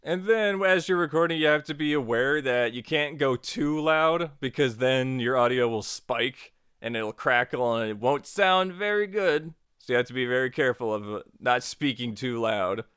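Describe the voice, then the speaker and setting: A man's voice: medium pitch, normal speed, hardly any pauses, fairly bright tone, smooth, no echo, clean studio sound. A man narrating a tutorial as its host in an informal, jokey, casual way.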